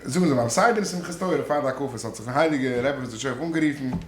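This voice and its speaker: A man with a Hasidic Yiddish accent giving an impassioned sermon as a rabbi, rising to loud, emphatic peaks. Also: mid-range voice, fast, echoey room, slight background noise. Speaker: rabbi giving a Torah talk.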